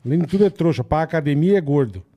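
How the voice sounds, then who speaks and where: Mellow-voiced man, jokey co-host. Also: a little high, animated. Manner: jokey, quick interjections of approval. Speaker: podcast co-host. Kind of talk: casual chat.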